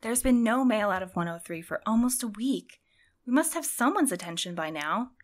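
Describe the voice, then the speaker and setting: A woman's voice: mid-range voice, lively intonation, normal speed, close to an everyday voice. A woman playing an anxious, determined, exhausted courier in an audio drama, earnest and strained. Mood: determined, upset. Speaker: actor in a fiction podcast. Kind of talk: naturalistic audio drama acting.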